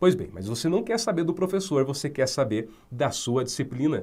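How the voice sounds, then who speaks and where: In a Curitiba accent, a man speaks with very wide pitch swings. Audible room echo surrounds his voice. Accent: Curitiba accent, clear final E. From Curitiba, Paraná, southern Brazil. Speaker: law professor. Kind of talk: video lecture. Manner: conversational, friendly.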